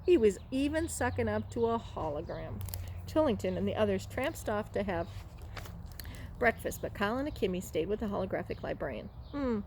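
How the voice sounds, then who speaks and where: A woman's voice: medium pitch, expressive, brisk, a little mellow. A woman reading a children's storybook aloud, now and then stumbling over a word and rereading it. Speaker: library read-aloud reader. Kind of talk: storybook read-aloud narration. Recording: clearly noisy room recording.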